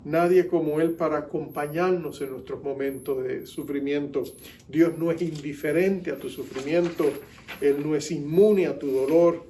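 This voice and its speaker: Man, pastor, sermon, warm mellow tone, faint background noise. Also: on the high side, fairly even intonation, recorded from a distance. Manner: preaching with dramatic pauses and hushed quoted lines.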